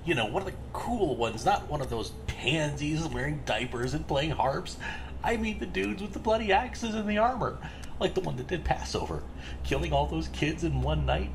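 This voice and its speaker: A man's voice: fairly high pitch, sing-song, moderate pace, creaky. Guy acting as a rambly serial killer, casually threatening, voice all over the place, noise behind it. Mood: gleeful, boastful. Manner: rambling, casually menacing, demanding answers. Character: chatty, volatile serial killer boasting to a captive. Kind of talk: audio drama acting.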